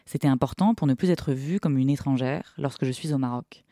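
A woman hosting a podcast, calmly reading a scripted, reflective narration. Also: a bass voice, fairly quick, no echo, studio quality. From partly Morocco. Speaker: podcast host.

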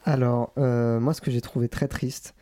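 A man's voice: mid-range voice, little pitch movement, moderate pace, dark tone. A man losing his voice, rambling hesitantly through a film review. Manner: rambling, hesitant then laughing. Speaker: film critic. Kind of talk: casual chat.

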